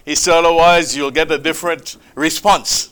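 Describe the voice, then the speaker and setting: A man preaching a sermon, with a loud, booming, emphatic delivery, speaking into a microphone in a church hall. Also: steady tone, moderate pace, smooth. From Trinidad. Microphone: handheld or stand mic.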